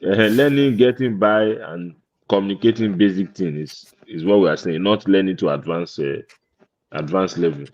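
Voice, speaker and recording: A man's voice: low-pitched, moderate pace, a little mellow. A man in a casual group chat who chimes in often with short agreeing remarks. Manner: agreeable, frequent short backchannels and laughs. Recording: dull lo-fi audio.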